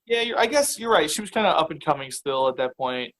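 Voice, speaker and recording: A man's voice: a little high, big pitch swings, quick pace, a bit bright, poor audio. A man guest on a podcast, chatting wryly about a film with lots of fillers. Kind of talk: casual film-review chat.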